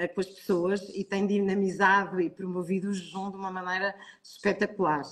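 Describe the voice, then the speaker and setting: At a moderate pace, the speaker talks with a somewhat breathy quality. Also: woman. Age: 50s. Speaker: pharmacist. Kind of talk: interview.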